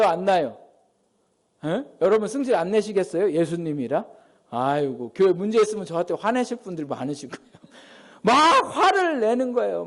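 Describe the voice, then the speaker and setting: A middle-aged male pastor preaching a sermon in a lively way, often asking the congregation questions. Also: sits high.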